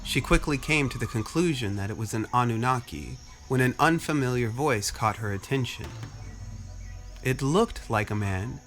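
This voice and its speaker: A man's voice: mid-range voice, expressive, moderate pace, a bit bright. A man giving scripted narration of a fantasy story.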